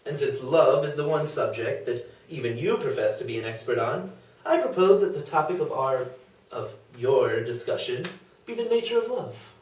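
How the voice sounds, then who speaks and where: Dude acting cheeky greek comic poet, declaiming all mock-grand, stage comedy read, echoey and distant. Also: male voice, medium pitch, animated, moderate pace, a little mellow, close to an everyday voice. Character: Aristophanes, mischievous, theatrical comic poet at a banquet. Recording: echoey room, off the microphone.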